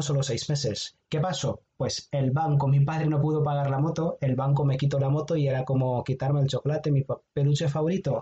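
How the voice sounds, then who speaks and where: A man with a fairly high pitch talks at a fairly quick pace in a dark, mellow tone. His voice is somewhat breathy and his intonation flat and monotone. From India, Agra. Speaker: guest sharing life story. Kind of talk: interview. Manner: halting.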